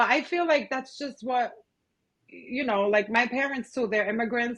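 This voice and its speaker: An ordinary speaking voice from a woman, at a moderate pace with ordinary pitch variation. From New York. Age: 30s. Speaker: permanent makeup artist. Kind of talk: casual chat.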